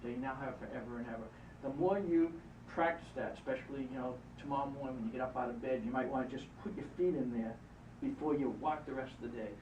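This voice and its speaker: A hypnotist guiding a volunteer through a live exercise, repeating encouraging instructions. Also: male voice, medium pitch, quick pace, hardly any pauses, noisy background. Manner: coaching, repetitive, encouraging. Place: event room. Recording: roomy, distant, muffled live event recording.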